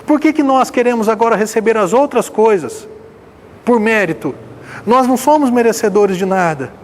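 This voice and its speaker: High-voiced emphatic male preacher. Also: expressive, normal speed. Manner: emphatic preaching with rhetorical questions, swinging between loud and hushed. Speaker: pastor. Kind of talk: sermon.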